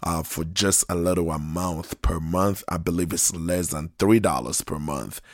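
A man hosting his own podcast in casual, unhurried talk, hoarse because he is losing his voice, often repeating and restarting phrases. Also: low-pitched, no echo, studio quality. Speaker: podcast host.

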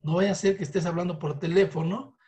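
High-voiced Mexican man coaching sales. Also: fairly even intonation, dark tone. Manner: coaching tone that acts out sample phone calls in quick voices. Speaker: sales trainer. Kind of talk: motivational sales training talk.

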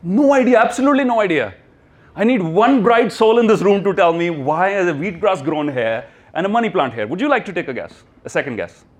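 Higher-voiced North Indian man, motivational speaker. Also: expressive, fairly quick. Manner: emphatic, prompting listeners with questions and repetition. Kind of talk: motivational talk to a live audience.

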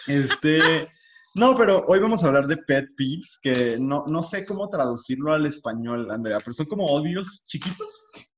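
A man's voice: fairly high pitch, lively intonation, a little slow, a little hiss or hum. A Mexican man co-hosting a podcast, easygoing and joking in casual chat. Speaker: podcast co-host. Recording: dull, echoey room.

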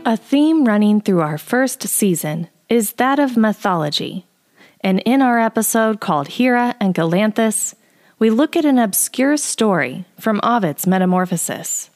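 A woman's voice: medium pitch, lively intonation, normal speed, a little mellow. A woman speaks as the presenter of a drama podcast. Her voice is mid-range, and she reads a prepared introduction in a narrating style.

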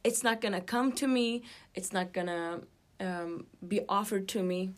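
Animated young woman telling her story. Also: mid-range voice, measured pace. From Iraq. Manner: animated, laughs often, many uh fillers. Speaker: guest, TV presenter. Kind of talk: casual interview storytelling.

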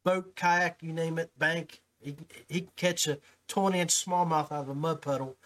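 A man's voice: fairly high pitch, steady tone, moderate pace, fairly bright tone. A man hosting a fishing podcast, talking in a folksy way and often repeating his first words. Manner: folksy, repeats words when starting sentences. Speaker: podcast host. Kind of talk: casual podcast interview. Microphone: call audio with his own mic.

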